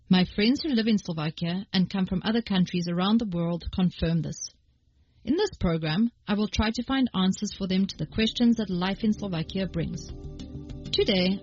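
A woman from South Africa hosting a radio feature, speaking in a clear, measured scripted delivery from a studio. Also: fairly low pitch, darkish tone. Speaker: radio host. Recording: dull lo-fi radio broadcast.

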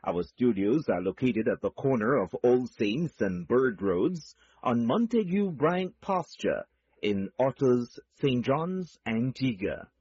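A man's voice: mid-range voice, very animated, slow pace, a little mellow, slightly rough. A man making a formal radio station identification announcement, heard as an archival clip played back over AM radio. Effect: heard over AM radio broadcast. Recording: muffled lo-fi radio clip, dry.

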